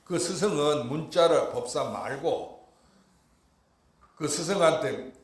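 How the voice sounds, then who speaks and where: A man's voice: a little high, expressive, takes it slowly. Man, Buddhist monk, rhetorical questions, reverberant dharma hall. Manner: emphatic, rhetorical, keeps asking the hall if they understood. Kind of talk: Dharma talk. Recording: echoey hall.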